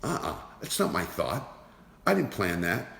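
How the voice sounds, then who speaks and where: A man's voice: low voice, wildly swooping pitch, a little slow, creaky, fairly bright tone. A man giving a motivational teaching talk as an energy awareness teacher, emphatic and repeating rhetorical questions. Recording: roomy with long reverb.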